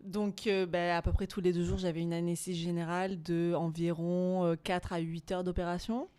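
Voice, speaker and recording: A woman's voice: fairly low pitch, flat delivery, normal speed, mellow, clean tone. A young adult woman, a podcast guest, telling a personal story in casual chat, full of fillers and quoted asides.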